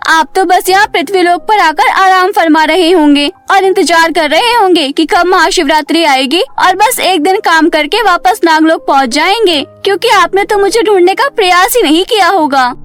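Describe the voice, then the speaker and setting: A woman's voice: extremely high pitch, normal speed, few pauses, fairly bright tone, faint music behind. A woman voicing a hot-tempered young serpent woman in a cartoon story, with dramatic, emotional delivery. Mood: indignant, reproachful.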